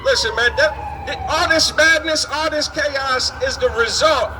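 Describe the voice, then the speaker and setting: A man's voice: extremely high pitch, a little slow. A man street preaching in an emphatic, indignant way, often punctuating his phrases with "man" and "you understand". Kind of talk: fiery street sermon. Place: outdoors on a city street. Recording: outdoor street noise, passing vehicles.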